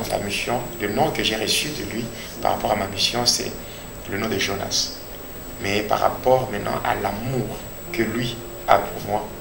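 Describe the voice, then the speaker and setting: A man with a Congolese accent giving a personal religious testimony as a pastor, speaking deliberately and repeating phrases for emphasis. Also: on the low side. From Democratic Republic of the Congo. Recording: echoey room with clear background noise.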